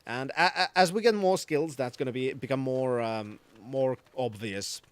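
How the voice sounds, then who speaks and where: A man's voice: mid-range voice, normal speed, clean tone, no echo. A man streaming a game, chatting casually and explaining the mechanics as he plays, often restarting his sentences. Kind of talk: casual gaming commentary.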